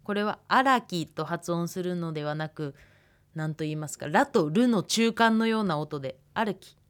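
A woman, teaching a radio language lesson patiently and pausing to think aloud. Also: lowish voice, clear, resonant tone. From Hokkaido, Japan. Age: 20s. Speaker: language instructor.

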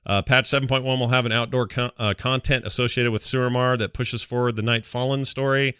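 A man's voice: medium pitch, steady tone, brisk, pushed and bright, smooth, no room sound, clean studio sound. A man hosting a gaming podcast, talking casually and rambling through informal asides. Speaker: podcast host.

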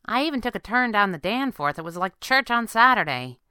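A woman's voice: mid-range voice, animated, brisk, bright, forceful tone, smooth, no room sound, clean studio sound, voice pushed up. A woman voicing a young female superhero sidekick who is playful, teasing and eager in a storybook narration. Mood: breezy, cocky. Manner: playful, perky, coy.

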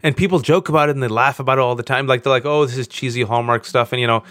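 A man in his forties talking candidly as an interview guest, earnest and animated, with self-mocking storytelling. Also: mid-range voice, rapid-fire, no echo, clean studio sound. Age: 40s. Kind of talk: candid conversation.

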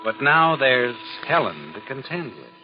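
A man's voice: medium pitch, big pitch swings, unhurried. An American actor playing a sly, all-knowing narrator in a 1940s radio crime drama, needling his listener in a knowing, insinuating way. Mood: ominous, taunting. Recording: dull vintage 1940s radio broadcast, loud music. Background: dramatic music.

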